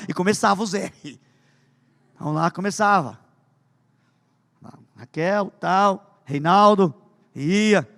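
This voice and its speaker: A man preaching a sermon with humorous stories, swinging between loud emphasis and hushed asides. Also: high-pitched, big-room sound. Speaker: pastor.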